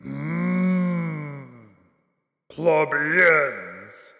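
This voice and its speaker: A put-upon shark grumbles through a storybook tale with dry sarcasm. The voice is raised in pitch and piercingly bright, with a creaky edge and drawn-out, exasperated phrasing. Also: male voice, expressive, no room sound, full character voice. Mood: grumbling, disdainful.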